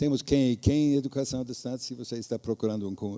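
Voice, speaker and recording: Ordinary pitch variation runs through the dark, mellow tone of a man's speech. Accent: American. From United States (New York). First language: English (speaking Portuguese). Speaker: professor, head of distance education association. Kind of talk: round-table talk at academic symposium. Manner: hesitant, many filler sounds.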